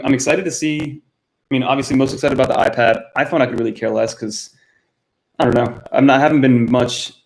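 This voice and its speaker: A man's voice: medium pitch, creaky, rough recording. A young man from Miami hosting his first live stream, chatting casually and answering viewers by name, recorded on a built-in camera mic in a cluttered home room. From United States (Miami, Florida).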